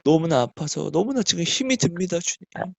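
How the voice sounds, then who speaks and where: A man's voice: fairly high pitch, animated, a little fast, vocal fry, dry recording. A man praying over a sick church member, pleading fervently and repeating his petitions. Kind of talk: intercessory prayer.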